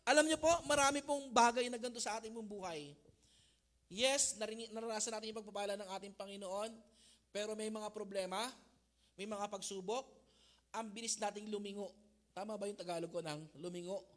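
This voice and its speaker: A male pastor preaching a sermon, swinging between loud emphasis and hushed intensity, often checking that listeners follow. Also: sits high, steady tone, a little fast. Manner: mixes Tagalog and English phrases.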